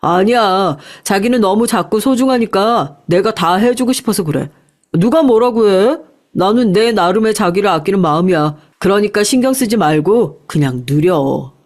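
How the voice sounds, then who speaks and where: A woman's voice: medium pitch, lively intonation, moderate pace, a little mellow, lightly acted. A woman voicing a young male fitness trainer who is eager, polite and doting.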